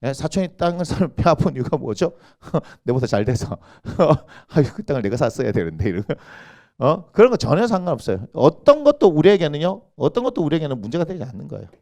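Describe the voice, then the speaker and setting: Male pastor, fairly high voice, animated sermon with rhetorical questions. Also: fairly quick. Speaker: senior pastor. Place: church sanctuary.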